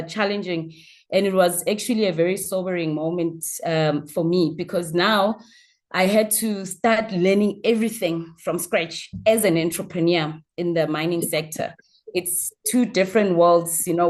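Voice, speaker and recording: A woman with a South African accent introducing herself as a guest speaker in an informal online talk, phrasing things haltingly with repeated words. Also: lowish voice, a little mellow. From Mpumalanga, South Africa. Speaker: guest speaker, mining entrepreneur. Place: online video call.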